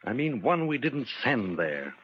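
An actor playing an earnest, fatherly older scientist in a 1950s radio drama, speaking in a measured, solemn way. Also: mid-range voice, big pitch swings. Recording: dull old radio recording with hiss.

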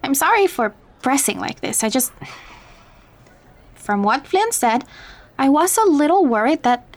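Caring, higher-voiced motherly Latina confidante. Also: very animated, a little slow. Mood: gently worried. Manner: gentle, code-switches into Spanish. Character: caring, probing motherly Latina confidante, teasing but gentle. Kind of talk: naturalistic fiction podcast acting.

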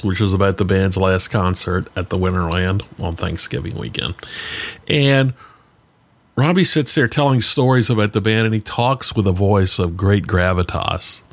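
A man co-hosting a podcast, talking in an animated, casual way with self-deprecating asides. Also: lowish voice. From Virginia, US. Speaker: podcast co-host. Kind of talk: casual conversational talk.

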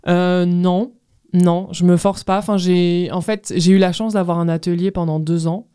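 A woman's voice: lowish voice, steady tone, moderate pace, warm tone, smooth, dry recording, clean studio sound. A woman in her thirties answering casually as an interview guest, hesitant and often searching for words. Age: 30s. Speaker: guest artist, ceramicist.

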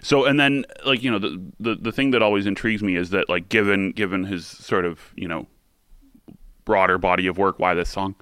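Bright-voiced laid-back male host. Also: low-pitched, fairly quick, smooth, no echo, studio quality. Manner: laid-back, rambling with many fillers. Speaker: radio show host. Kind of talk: casual chat about songs.

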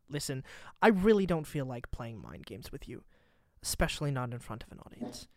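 A woman's voice: a bass voice, very animated, moderate pace, darkish tone, no room sound, studio quality. A woman voicing a guarded, secretive young man who talks tersely and evasively and sighs wearily.

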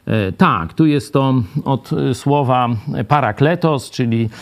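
A man leading a lively Bible study lecture, ironic and animated, asking the group questions and tagging his points with a quick "right?". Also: medium pitch. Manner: many fillers and "nie?" tags.

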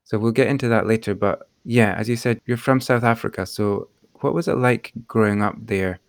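Gravelly low-voiced male podcast host. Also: moderate pace. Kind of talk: scripted podcast intro and interviewing.

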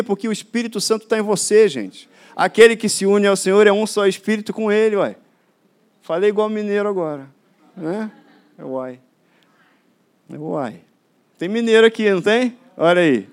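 A man from Rio de Janeiro, preaching a sermon to his congregation in a rhythmic, repetitive way that swings from quiet to loud declarations. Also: sits high. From Rio de Janeiro, Brazil. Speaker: pastor. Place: church before a congregation.

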